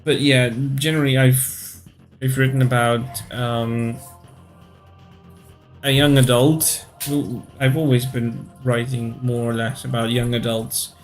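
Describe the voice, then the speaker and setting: A man in his thirties from Poland, speaking English with a Polish accent in a casual live-stream chat, pausing often to search for words. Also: mid-range voice, little pitch movement, soft background music, low-quality recording. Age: 30s.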